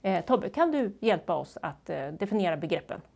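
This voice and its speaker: Swedish woman hosting an interview, measured pace, pitch moves a lot, lapel mic. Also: vocal fry. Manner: measured, lively intonation. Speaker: host. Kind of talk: studio interview. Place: small studio.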